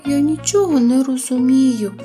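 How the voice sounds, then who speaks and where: A woman voicing a small lost baby mammoth in a storybook tale, speaking in a high, pleading childlike voice. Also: moderate pace, dark tone, soft background music, close to an everyday voice.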